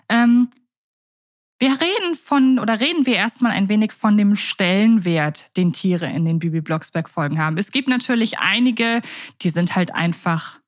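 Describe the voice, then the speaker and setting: A woman's voice: mid-range voice, no echo, studio quality. A woman co-hosting a podcast in a conversational style, phrasing things in a wordy, careful way. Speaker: podcast host.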